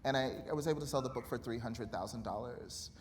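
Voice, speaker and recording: A man's voice: medium pitch, fast talker. A man in his thirties, an author guest in a live interview, talking candidly and animatedly, laughing often and acting out remembered conversations. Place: college auditorium. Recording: reverberant hall with faint noise.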